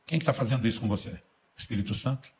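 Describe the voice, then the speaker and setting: Fast-talking pastor preaching. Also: male voice, mid-range voice, slight background noise. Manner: storytelling sermon with acted dialogue and humor. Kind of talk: sermon.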